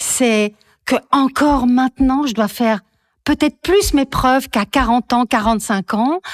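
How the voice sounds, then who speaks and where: With a high pitch and very even loudness, a woman talks at a fairly slow pace in a dry, close sound with no echo. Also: ordinary pitch variation. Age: 60s. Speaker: founder of a gender-equality organisation. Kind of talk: podcast interview. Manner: animated.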